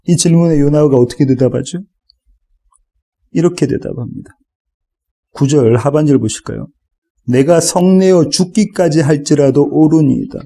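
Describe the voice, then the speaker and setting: Male pastor, expository sermon, dramatic scripture voices, rather high and very mellow. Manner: preaching, acts out voices of biblical figures with rising intensity. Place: church.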